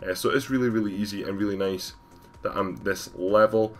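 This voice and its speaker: Male gaming vlogger, deep and low, sick with a cold, rapid rambling voiceover. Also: steady tone, soft background music. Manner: rambling, casual, many fillers. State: has a cold, stuffy. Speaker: gaming YouTuber. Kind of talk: gameplay voiceover commentary.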